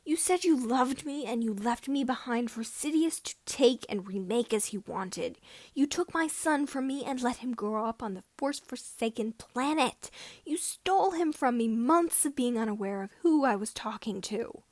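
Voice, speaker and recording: A woman voicing a menacing half-machine dark lord and bitter father in a breathy voice, in a fan fiction reading. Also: on the high side, animated, moderate pace, no room sound. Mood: anguished fury.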